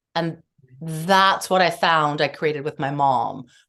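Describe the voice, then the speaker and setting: A woman with a normal speaking voice talks at a fairly low pitch and fairly slow pace. Her pitch varies in an ordinary way against a quiet background. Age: 50s. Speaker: psychotherapist and relationship expert. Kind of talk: interview.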